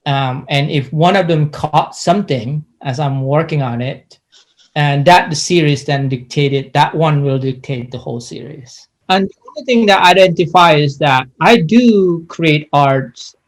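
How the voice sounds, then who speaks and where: A middle-aged man from Indonesia, an artist answering interview questions in a halting way with many restarts and pauses. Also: on the high side.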